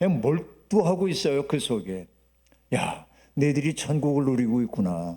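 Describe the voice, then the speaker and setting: This man has a dark, mellow tone and a fairly high pitch with very wide swings. He goes at a fairly slow pace and keeps his loudness very even. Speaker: pastor. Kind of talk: sermon. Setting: church.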